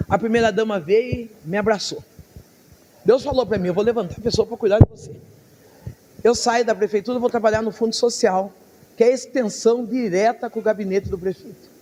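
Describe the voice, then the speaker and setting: A woman pastor preaching a sermon, telling her story with lively, acted-out dialogue and frequent laughs. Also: fairly high pitch, a little fast, in a large hall, noisy background. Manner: laughs often between phrases.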